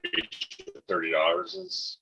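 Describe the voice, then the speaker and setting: A man's voice: sits low, huge pitch swings, unhurried, vocal fry, pushed and bright, husky, faint music behind. A man joining a town meeting remotely, his call audio choppy and breaking up as he makes brief, fragmentary remarks.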